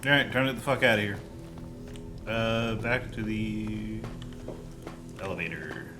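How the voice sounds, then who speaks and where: A man's voice: lowish voice, unhurried, over music. A young man streaming a video game, talking casually with sarcastic, profane jokes.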